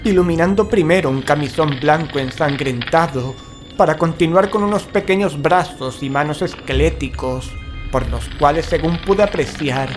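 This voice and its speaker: An actor playing a frightened, earnest paranormal investigator, narrating a horror audio drama. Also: male voice, a little high, close to an everyday voice. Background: music.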